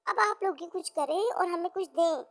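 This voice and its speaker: A woman's voice: extremely high pitch, normal speed, vocal fry, pitched above the performer's own voice. A woman voicing a worried, conciliatory young daughter in a children's story, pleading and placating. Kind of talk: children's moral story character acting.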